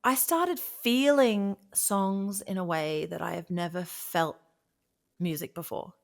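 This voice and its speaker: Low-pitched woman telling her story. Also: takes it slowly, creaky. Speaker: guest, singer and vocal coach. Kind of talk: casual personal storytelling in an interview.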